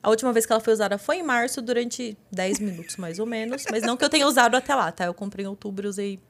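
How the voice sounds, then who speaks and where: Playful self-mocking woman, a bit higher. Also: racing. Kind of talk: casual chat.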